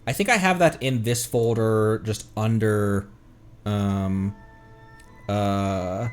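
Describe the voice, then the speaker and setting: A man streaming a game, talking casually to viewers in an animated, rambling way and muttering to himself. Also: on the low side, slow, soft background music. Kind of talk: casual livestream gaming chat with viewers.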